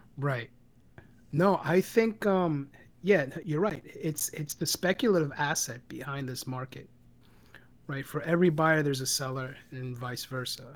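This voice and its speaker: A man with a New York accent and fairly high pitch talks fairly slowly, with ordinary pitch variation and big swings in loudness. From New York, Brooklyn. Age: 30s. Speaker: crypto enthusiast, doorman. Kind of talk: casual interview.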